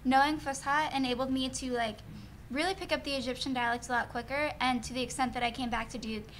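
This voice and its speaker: A woman's voice: high-pitched, fairly even intonation, quick pace, a bit bright, slight background noise. A young woman moderating a campus Q&A in a chatty, self-deprecating way. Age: young adult. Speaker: student moderator.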